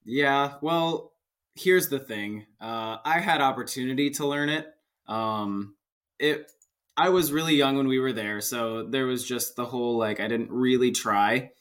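A man's voice: mid-range voice, a little slow, fairly bright tone. Young american guy telling stories on a podcast, laughs at himself a lot, middle voice. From United States. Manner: laughs often, self-deprecating storytelling. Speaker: podcast guest. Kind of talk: casual chat.

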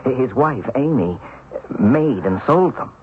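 An actor playing an earnest, halting ex-bank teller in a 1970s radio drama. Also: male voice, medium pitch, lively intonation, natural voice. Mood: excited, puzzled. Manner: hesitant, halting. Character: earnest ex-bank teller turned schoolteacher husband, hesitant, puzzled. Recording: dull, hissy 1970s radio broadcast.

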